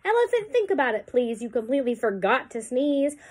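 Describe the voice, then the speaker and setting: A tiny storybook mouse, bold and cheeky, as a woman plays him. He speaks very high, with swooping, emphatic and theatrical pleading. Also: very animated, a little fast, a little mellow, husky, full character voice. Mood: cheeky, coaxing.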